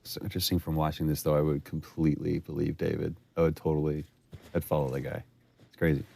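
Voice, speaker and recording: A man recording casual commentary on a game's cutscenes, relaxed and reflective, laughing easily. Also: rumbling low, fast, creaky. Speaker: actor on developer commentary.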